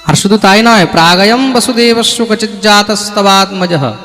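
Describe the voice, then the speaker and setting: A man's voice: high-pitched, normal speed, bright, forceful tone. A male preacher giving a devotional sermon, chanting verses and calling out for responses from his listeners. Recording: reverberant hall with music.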